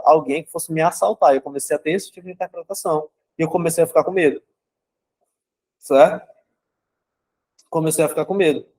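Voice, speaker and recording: Man, young adult, casual psychology lesson, conversational, keeps checking in, voice a bit high. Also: a little mellow. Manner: conversational, keeps asking "né?" and "certo?". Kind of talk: casual teaching talk.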